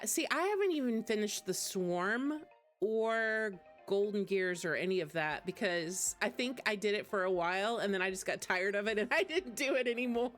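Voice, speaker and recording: A woman streamer talks in a casual, chatty way as she plays, replying to her viewers. Her voice is mid-pitched, with game music playing faintly behind it. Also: a bit bright. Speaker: game livestream host. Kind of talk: casual chat while gaming, replying to viewers.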